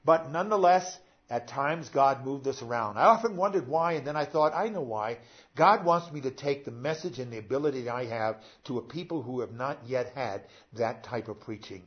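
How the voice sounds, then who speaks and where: An older man, a pastor, preaching a sermon in a conversational way, pausing with "uh" and talking straight to his congregation. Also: mid-range voice, lively intonation, highs cut off.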